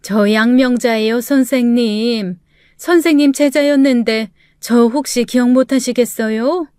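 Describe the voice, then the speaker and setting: A woman voicing a middle-aged mother-in-law who pleads slowly and emotionally, close to tears. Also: on the high side, darkish tone, clean tone, no room sound, lightly acted. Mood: pleading. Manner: slow, emotional, imploring.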